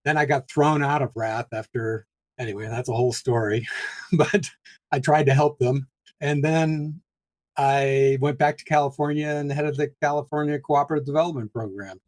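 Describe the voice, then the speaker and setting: A man's voice: mid-range voice, steady tone, moderate pace, rough recording. An older man from the Pittsburgh area, a guest in a conversational interview, speaking reflectively and chuckling often between points. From United States, Pittsburgh area.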